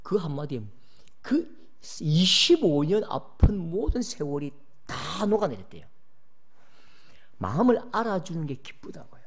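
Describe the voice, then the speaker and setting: Lively Gyeongsang pastor preaching. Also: male voice, fairly high pitch, measured pace, long pauses. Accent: Gyeongsang Korean. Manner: lively storytelling, acting out voices. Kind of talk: sermon.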